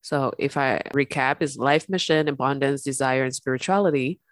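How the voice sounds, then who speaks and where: A woman hosting a spiritual podcast, talking gently and calmly while congested from an illness. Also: extremely low pitch, normal speed, no echo, studio quality. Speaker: podcast host. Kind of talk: calm spiritual podcast talk.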